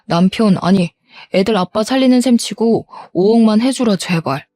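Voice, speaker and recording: Woman doing a whiny spiteful middle-aged husband, self-pitying, low mellow dry voice for a story. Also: moderate pace, no echo, natural voice. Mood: pleading. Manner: pleading then defiant, self-pitying.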